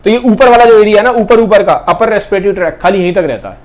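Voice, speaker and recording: High-pitched and darkish in tone, this young man talks quickly as he teaches a biology lesson. He keeps repeating the main points, frequently checks in with the class, and points at images during his explanation.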